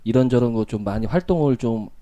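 A man's voice: mid-range voice, lively intonation, mellow, highs cut off. Man with a Jeolla accent. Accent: Jeolla Korean. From Jeolla, South Korea. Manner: polite, earnest, explaining slowly. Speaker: guest singer. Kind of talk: casual talk-show chat.

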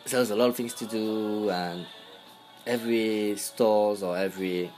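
A man's voice: on the low side, fairly even intonation, measured pace, darkish tone, faint music behind, poor audio. A young man from France with a French accent, a podcast guest speaking English as a second language, hesitant and searching for words. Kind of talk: casual conversation.

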